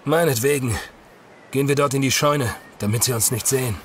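A man's voice: medium pitch, a little fast, slight background noise, lightly acted. An actor playing a callous, predatory man in a horror audio drama, speaking in a cold, domineering way. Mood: gruff, impatient.

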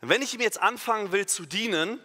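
A pastor giving a sermon, emphatic and lively, acting out imagined inner voices and now and then correcting himself mid-sentence. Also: male voice, high-pitched, a little fast. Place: church hall. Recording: long reverb of a church hall.

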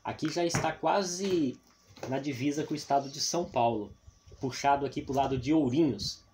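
A man's voice: mid-range voice, normal speed, a little mellow. A man from in Brazil, chattily narrating a casual exploration vlog to his viewers on a handheld camera. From Paraná, Brazil. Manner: chatty, addresses viewers, frequent tag questions. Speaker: vlog host. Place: abandoned roofless house and overgrown grounds. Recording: noisy handheld outdoor camera recording.

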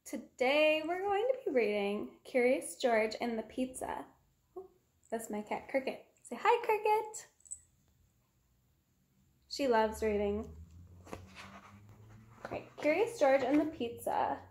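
Female, 20s, children's storyteller. High pitch, slow and expressive delivery, recorded in a roomy home space. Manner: simple, expressive, addressing young children. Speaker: read-aloud storyteller. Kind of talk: children's picture book read-aloud. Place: small room at home, indoors.

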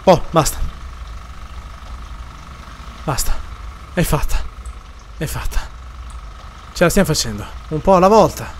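A man's voice: on the high side, expressive, measured pace, pauses often, a little hiss or hum. A man streaming a horror game, nervously muttering, repeating himself and swearing as he plays. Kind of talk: live gameplay commentary.

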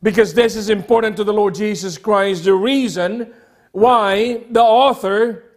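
A middle-aged man preaching a sermon as a pastor, speaking deliberately in short, emphatic phrases with repetition. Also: high-pitched. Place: church sanctuary, at a pulpit.

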